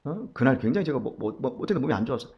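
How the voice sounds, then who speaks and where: A man's voice: medium pitch, very fast, highs cut off. A middle-aged man preaching a dawn sermon, telling stories and acting out the voices of the people in them. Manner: storytelling, animated, acts out quoted voices. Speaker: pastor.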